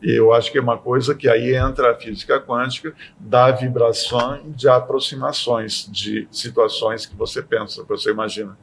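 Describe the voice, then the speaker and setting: A man in a podcast discussion who explains ideas with lively acted-out examples. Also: mid-range voice, moderate pace, creaky, few pauses, slight background noise. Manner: animated, acts out everyday sayings in quoted voices. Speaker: podcast panelist.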